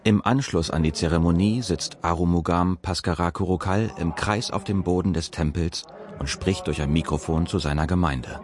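A man reading documentary narration in a calm, measured way. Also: low voice. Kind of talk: scripted narration.

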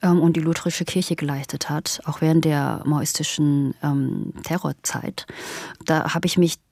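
Earnest woman, low voice, very dry sound. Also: steady tone, measured pace, creaky, darkish tone, dry recording. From Germany. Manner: earnest, explanatory, often adds "ja?". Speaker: political philosopher, interview guest. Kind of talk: thoughtful interview answers.

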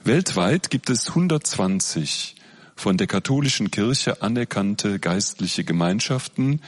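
Low-voiced man giving a lecture. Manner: measured, explanatory. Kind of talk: public lecture.

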